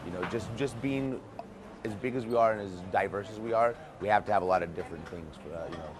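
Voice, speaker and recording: A man's voice: fairly low pitch, fast. A man speaking casually and informally as a restaurant chef explaining his work. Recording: clear background noise.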